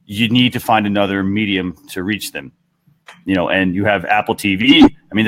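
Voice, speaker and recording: A man's voice: on the low side, a bit bright, a little hiss or hum. A man co-hosting a casual panel discussion in an agreeable, conversational way. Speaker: talk show co-host.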